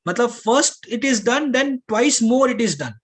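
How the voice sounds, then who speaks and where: An aptitude teacher with a South Asian accent and an extremely high, expressive voice speaks at a moderate pace. He walks his class through the lesson step by step, repeating points, mixing English with Hindi, and often asking questions to check understanding.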